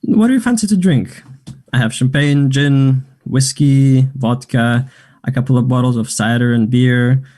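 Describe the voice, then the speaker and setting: A man's voice: medium pitch, unhurried, dark tone, close to an everyday voice. A man acting a flirtatious, self-assured gay man in a naturalistic table read of a play, chatty and teasing. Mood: friendly, chatty.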